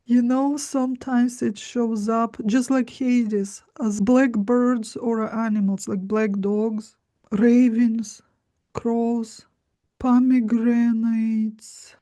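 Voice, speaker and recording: A woman's voice: on the high side, level tone, slow, warm tone. A woman giving informal spiritual instruction in short, simple phrases. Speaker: spiritual teacher.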